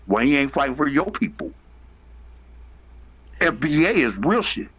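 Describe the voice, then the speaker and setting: A man's voice: medium pitch, very animated, unhurried, a bit bright, husky. A man arguing in a heated live-stream debate, aggressive and profane, hammering the same taunts again and again. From United States. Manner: aggressive, profane, taunting, repeats his jabs. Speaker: debate participant. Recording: dull lo-fi stream audio.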